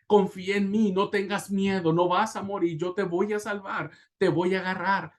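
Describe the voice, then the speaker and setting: A man's voice: high voice, steady tone, normal speed, pitched above the performer's own voice, lightly acted. A man playing a desperate father. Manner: urgent, imploring. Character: desperate father urging his son to jump.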